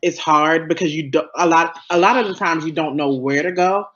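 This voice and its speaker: A man giving casual, encouraging advice as a creator on a panel, in a halting way. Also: a little high, steady tone, a bit bright, muffled recording. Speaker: audio drama creator on a panel.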